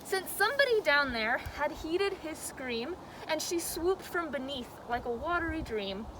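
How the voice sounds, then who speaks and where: A woman reading a children's story and teaching as a zoo educator, with an expressive, dramatic delivery. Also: unhurried. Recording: outdoor background noise, faint vehicle rumble.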